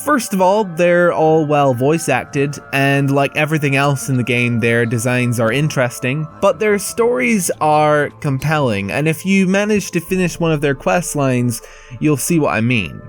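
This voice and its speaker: Male game reviewer. Higher-set, very animated voice, blunt casual delivery. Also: moderate pace, soft background music. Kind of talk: casual scripted review narration.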